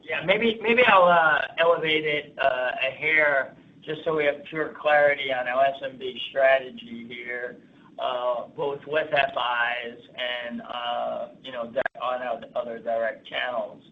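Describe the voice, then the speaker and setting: A man speaking as a company executive on an earnings call, giving halting business commentary with repeated and restarted phrases. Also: mid-range voice, steady tone. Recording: thin phone-line sound.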